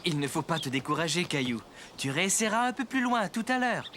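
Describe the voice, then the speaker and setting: A man's voice: sits high, big pitch swings, fairly quick, very noisy. An actor playing an encouraging young father in a cartoon.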